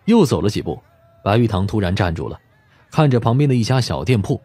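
A man's voice: fairly low pitch, big pitch swings, a little fast, mellow, husky, no echo. A man reading a detective audiobook as a scripted narration. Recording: music behind the voice.

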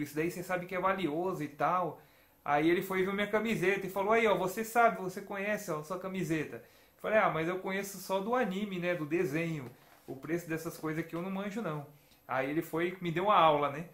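A man's voice: fairly high pitch, a bit bright, reverberant. A man in his thirties with a Brazilian Portuguese accent, chatting to camera as a retro gaming vlogger and telling stories with many tag questions. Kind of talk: casual chat to camera. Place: home room with shelves of games and toys.

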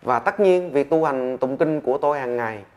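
A man telling a story in a steady, measured narrating voice. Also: mid-range voice. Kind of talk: scripted storytelling.

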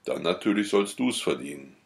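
A man's voice: low-pitched, lively intonation, moderate pace, gravelly. A man voicing a meek, put-upon peasant neighbor who talks in an obliging, eager way, in an audiobook.

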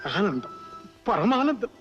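An actor playing a poor, tender old grandfather who speaks softly and fondly, in a 1960s film. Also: high voice, very animated, slow, exaggerated voice. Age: older. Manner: soft, fond, weeps with joy. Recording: dull old film soundtrack with music.

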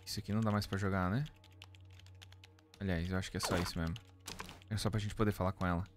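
A man's voice: low-pitched, fairly even intonation, quick pace, music in the background. A man in his thirties with a Brazilian accent, giving casual playthrough commentary, musing aloud and reading out screen text. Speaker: game streamer.

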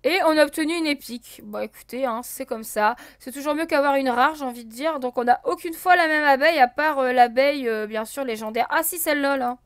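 A woman's voice: high-pitched, a little fast, hardly any pauses, no room sound, clean studio sound. A woman casually commenting on her gameplay as a let's play host, thinking aloud with many fillers and talking to her viewers. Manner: counts and checks items out loud.

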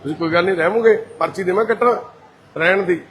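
Calm reassuring man running a shelter. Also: sits high, fast talker. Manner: calm, gently reassuring, soft-spoken. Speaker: head of a care shelter. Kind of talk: casual talk with residents and families.

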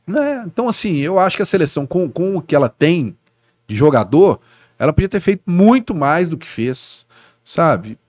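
A lively Brazilian man chatting on a podcast, his pitch leaping around as he tells stories. His voice sits a touch high for a man and sounds close and dry. He peppers his talk with quick asides. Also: no echo. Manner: animated storyteller, frequent "né, cara" tags. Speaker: guest sports journalist. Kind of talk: casual podcast chat.

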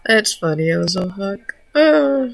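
A woman's voice: mid-range voice, very animated, measured pace, gravelly. A woman streamer in casual chat while gaming, blunt and profane, laughing often.

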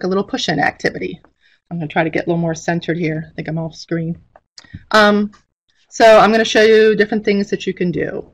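A woman's voice: lowish voice, a bit bright. A middle-aged woman giving an informal instructional presentation as a teacher, speaking over a video call. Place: indoor room, on a webcam video call.

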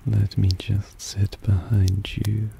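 A man playing a possessive, softly dominant vampire in an intimate ASMR roleplay, breathy and often half-whispered, teasing and coaxing. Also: fairly low pitch, flat delivery, slow pace, slight background noise, full character voice. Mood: tender, possessive. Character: possessive, softly dominant male vampire doting on his pet.

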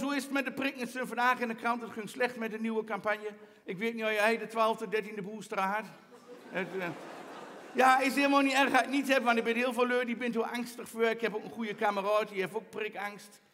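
A man's voice: very high voice, pushed and bright, in a large hall, a little hiss or hum. A man with a Twents accent doing chatty, teasing stand-up comedy, hosting a quiz from a theater stage. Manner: chatty, teasing, quick asides.

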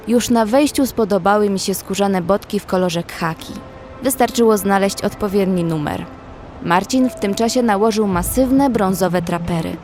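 An actress playing a young woman who survives an apocalypse, narrating in a measured, literary way as an anxious observer. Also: mid-range voice, a little mellow, slight background noise, lightly acted. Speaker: narrator and actress in audio drama. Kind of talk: scripted first-person horror story narration. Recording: music under the voice.

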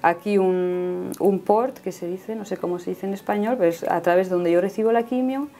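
Earnest woman in her thirties, mellow voice. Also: mid-range voice, brisk. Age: 30s. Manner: earnest, ends phrases with a questioning "no?". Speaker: guest giving a faith testimony. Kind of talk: personal testimony in conversation.

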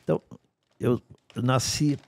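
A man in his sixties, a guest in a podcast studio, telling stories from his life in an unhurried, wry way with dry asides. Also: medium pitch, steady tone, a little mellow, slightly rough. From Brazil. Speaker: guest singer-songwriter. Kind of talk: storytelling in a podcast interview. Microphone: studio mic on a stand.

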